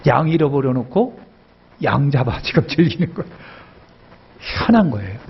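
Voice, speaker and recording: A male pastor preaching a sermon with emphatic repetition, his voice swelling in pitch and loudness as he presses his points. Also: very animated, moderate pace, vocal fry, slightly rough, muffled recording.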